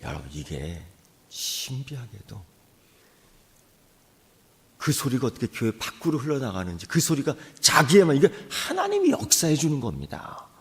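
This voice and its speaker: A male pastor delivering a sermon as animated storytelling, dropping to a hush and rising again. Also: mid-range voice, moderate pace. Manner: animated storytelling, swings from hushed to loud.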